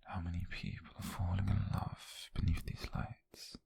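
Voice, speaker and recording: A man voicing a tender, flirtatious witch on a date in an ASMR roleplay, with a British accent and a soft, breathy, gravelly whisper. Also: sits low, little pitch movement, no echo, exaggerated voice. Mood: wistful, tender. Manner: soft, intimate, slow and hesitant.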